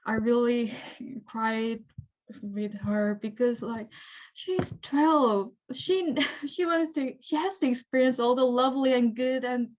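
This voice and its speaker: A woman's voice: on the high side, fairly even intonation, slow pace, darkish tone. A woman from South Korea with a Korean accent, speaking earnestly and effusively as she searches for English words. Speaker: audience member. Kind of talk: heartfelt spontaneous comments. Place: online video call. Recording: dull, lo-fi video-call audio.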